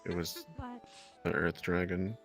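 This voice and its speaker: A man in a roleplay session, giving brief, measured replies. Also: deep voice, faint music behind. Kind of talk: in-character roleplay chat.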